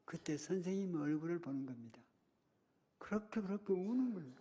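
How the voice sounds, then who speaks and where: An older man preaches in a church, his high, mellow, slightly rough voice animated and fairly fast. He tells a story from his childhood, dramatically acting out the cries of the children and the words of a teacher, while the church hall's long reverb trails behind him.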